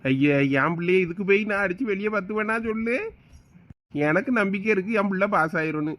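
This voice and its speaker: A man playing a soft-hearted village father who coaxes and defends his daughter. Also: high voice, brisk. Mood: coaxing. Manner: coaxing, pleading. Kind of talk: comedy skit acting.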